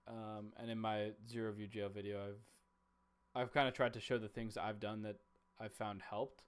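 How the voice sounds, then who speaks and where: A man's voice: fairly low pitch, little pitch movement, normal speed, smooth. A man in his twenties hosting a casual call, giving frank, laid-back advice in short replies. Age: 20s. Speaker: host.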